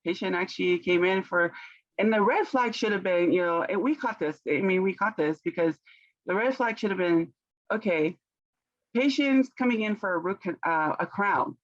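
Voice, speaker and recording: Non-native English-speaking woman, founder guest, measured and searching for words, dry dull sound. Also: medium pitch, expressive, dry recording. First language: not English. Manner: thoughtful, searches for words, laughs often. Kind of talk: conversational business interview.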